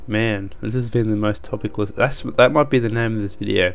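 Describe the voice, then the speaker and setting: Speaking at a medium pitch, a man moves at a fairly quick pace with fairly even intonation. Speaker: YouTuber vlogger. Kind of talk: casual monologue vlog. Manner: fast; free-flowing, rambling.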